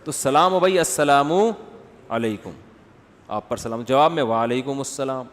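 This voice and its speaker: A man's voice: medium pitch, a bit bright. A man giving a humorous religious talk, telling stories with comic impressions and answering questions read out from the audience. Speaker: Islamic scholar answering questions. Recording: long hall reverb.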